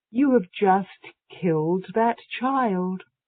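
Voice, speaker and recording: A female-sounding voice puts on a character voice at a medium pitch. The tone is sad. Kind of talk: deadpan, dark-humored. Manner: mournful, sad, slow and low.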